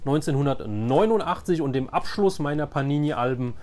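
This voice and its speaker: A man's voice: fairly high pitch, lively intonation, moderate pace, darkish tone. A man in his forties talking to viewers in a casual, nostalgic vlog style, informal, rambling and enthusiastic. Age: 40s. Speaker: video host.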